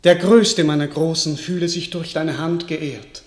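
A man's voice: on the high side, fairly even intonation, unhurried, darkish tone, close to an everyday voice. An actor playing a gracious, grateful medieval king, declaiming classical verse in a stately way for a radio drama. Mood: ceremonious, exalted.

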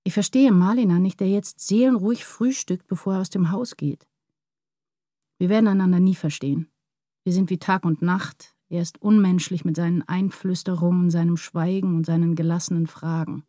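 An actress playing an anguished, brooding woman writer in a literary radio drama, speaking in an introspective, measured way. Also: on the low side, fairly even intonation, mellow, dry recording, clean studio sound, close to an everyday voice.

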